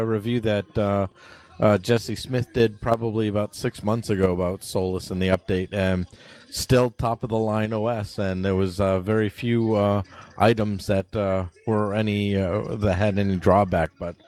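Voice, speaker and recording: A man's voice: fairly low pitch, fairly even intonation, normal speed, darkish tone. A man co-hosting a casual tech podcast, talking hesitantly with many filler uhs. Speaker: podcast co-host.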